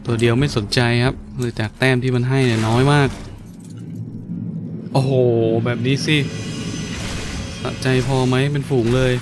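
A man's voice: medium pitch, level tone, normal speed, pauses often, over music. A man giving casual, playful let's-play commentary, full of exclamations and his own vocal sound effects. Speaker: gaming video host.

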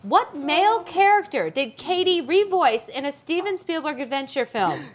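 A woman's voice: sits high, big pitch swings, normal speed, slight background noise. A woman hosting a meetup, running a trivia giveaway in a bubbly, cheerful way. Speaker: meetup host.

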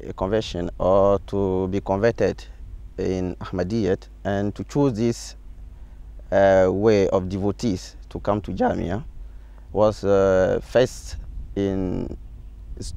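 Young male interview guest, slow and halting, mellow smooth voice. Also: low voice, fairly even intonation, no room sound. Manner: halting, many fillers and restarts. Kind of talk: answering interview questions. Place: outdoors on a school field. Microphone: lapel mic.

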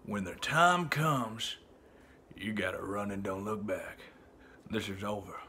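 Man doing low, grim Western cowboy. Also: slow, sharp tone, a little hiss or hum, full character voice. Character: grave, weathered Wild West cowboy.

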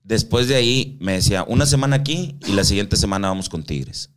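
A Mexican guest with a lowish voice, lively intonation, and a brisk pace tells informal stories. He talks in slang, swears plenty, and puts on voices for the quotes.

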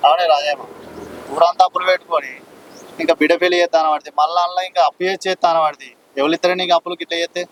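A man's voice: on the high side, steady tone, very fast, slight background noise, natural voice, low-quality recording. A man playing a caste-proud village elder who scolds and lectures. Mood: scolding. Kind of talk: village drama acting.

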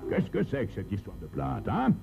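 A man's voice: medium pitch, sing-song, normal speed, gravelly, voice pushed up. A man voicing a pompous, irritable store director who grumbles and blusters in a crime story reading. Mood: angry, blustering. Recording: tinny lo-fi recording, faint hiss.

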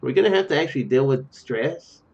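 His voice on the high side, a little mellow and expressive, this young streamer talks briskly through a let's play, reading game text aloud. He rambles and hesitates, letting asides trail off. It's recorded at home indoors on a dull, lo-fi mic with game music behind him.

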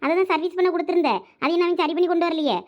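A woman's voice: extremely high pitch, highs cut off. A woman playing a deferential village wife in a family skit. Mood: worried. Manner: quick, pleading, deferential.

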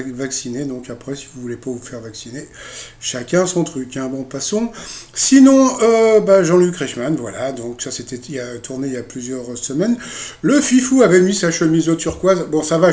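A man's voice: a little high, warm tone. A man casually recapping a TV quiz show for a video, rambling with many fillers and joking asides. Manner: rambling, full of "donc, euh, voilà" fillers and joking asides.

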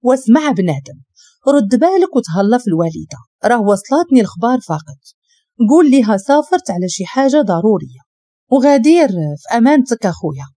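A woman with a Moroccan accent voicing a calm, guarded man, speaking in a measured way in a storybook reading. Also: on the high side, dry recording, studio quality.

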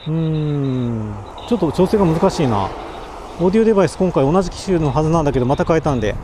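A man's voice: a little high, lively intonation, quick pace, noisy background. A man livestreaming outdoors, chatting casually to viewers while testing and fixing his microphone through a voice recorder. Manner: mumbling mic checks, talking to viewers while fixing audio. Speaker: cycling livestreamer. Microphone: voice recorder mic.

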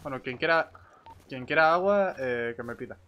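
A man's voice: medium pitch, expressive, normal speed, clear, resonant tone, highs cut off. A man chatting casually with fellow players in an online roleplay game.

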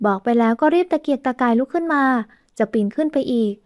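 High-voiced woman narrating a romance novel. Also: fast, a little mellow, no echo, studio quality. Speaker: audiobook narrator.

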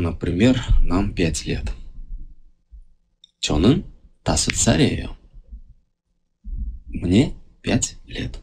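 Slow, husky-voiced male language teacher. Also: low voice. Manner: relaxed, explains step by step, asks the viewers questions. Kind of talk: casual video lesson. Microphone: voice-over over filmed handwritten notes.

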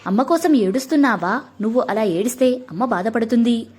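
A woman with a mellow, husky voice voicing a remarried father in a storybook reading. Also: on the high side, animated, brisk. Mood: coaxing. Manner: coaxing then curt. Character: widowed father, remarried, hurried and awkward.

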